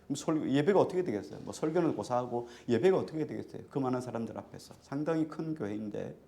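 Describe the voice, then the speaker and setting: A man's voice: medium pitch, animated, fast, dark tone. A male pastor giving a sermon in a conversational way, often putting questions to the congregation.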